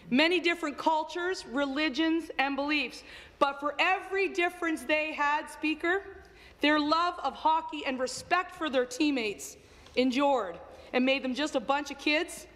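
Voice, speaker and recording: A woman's voice: high voice, fairly bright tone, long reverb tail. A woman from Nova Scotia giving an earnest, formal speech as a legislator in a legislative chamber. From Nova Scotia, Canada. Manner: earnest, with frequent fillers when speaking off the cuff.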